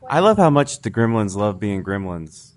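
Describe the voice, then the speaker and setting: A man's voice: lowish voice, sing-song, moderate pace, very noisy. A man on a live podcast panel, talking enthusiastically about a film and laughing as he speaks. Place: live theater stage.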